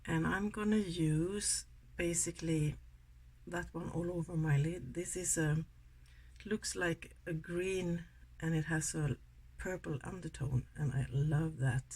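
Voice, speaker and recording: A woman's voice: sits low, fairly even intonation, a little slow, breathy edge. A Swedish woman in her sixties with a Swedish accent, chatting casually and a little ramblingly while doing a makeup tutorial. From Sweden. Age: 60s. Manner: chatty, rambling, soft-spoken. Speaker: beauty vlogger.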